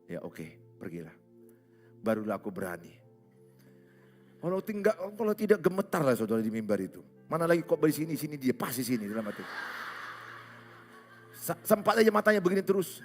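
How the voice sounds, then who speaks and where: A man's voice: a little high, big pitch swings, a little fast, long pauses, faint music behind. A man from Indonesia, preaching a humorous sermon as a pastor, often acting out little dialogues. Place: church stage.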